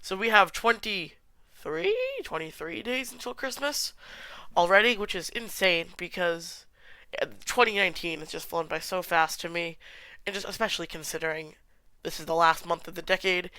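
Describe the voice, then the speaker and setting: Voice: mid-range voice, normal speed, bright, forceful tone, clear, resonant tone, no echo, low-quality recording. A podcast host with a stuffy nose and sore throat, chatting casually and giving opinions in a solo film review. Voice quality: congested.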